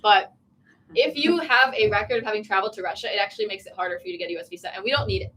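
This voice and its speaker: Young woman livestream host, quick chatty delivery, giggly, reads out viewer questions, faint room tone. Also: medium pitch, a bit bright, a little hiss or hum, poor audio. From Virginia, USA. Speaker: vlogger hosting a livestream. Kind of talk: casual livestream chat. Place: small tea room in an inn.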